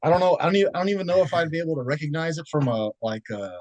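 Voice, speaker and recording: A man's voice: a little high, expressive, racing, a little mellow, dry recording. A young man from Texas, a podcast guest chatting in a rambling, laid-back way with many fillers and restarts. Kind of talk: casual interview chat.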